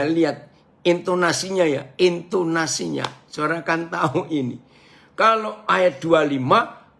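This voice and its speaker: A man preaching a sermon as a pastor, animated and talking straight to his listeners with frequent questions. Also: fairly high pitch, gravelly. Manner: animated, acts out shouted quotes; addresses listeners directly, asks questions.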